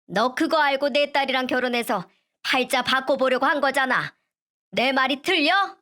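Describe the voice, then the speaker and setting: A bullying older father-in-law in a storybook reading, loud and scornful, barking insults, as a woman narrator puts him on. The voice sits fairly high and pushes forward with raised volume. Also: moderate pace. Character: rude older father-in-law, hot-tempered man.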